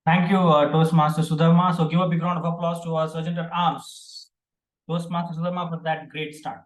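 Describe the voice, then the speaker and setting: A man's voice: a little high, little pitch movement, brisk, reverberant, rough recording. A man presiding over an online speaking club meeting, welcoming guests with a friendly tone and frequent fillers. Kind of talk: chairing a meeting. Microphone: video call.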